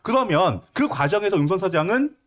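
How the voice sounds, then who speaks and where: Lively-pitched man spinning theories. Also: fairly quick. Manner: speculative, lays out his own scenario at length. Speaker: political commentator. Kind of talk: casual panel talk show.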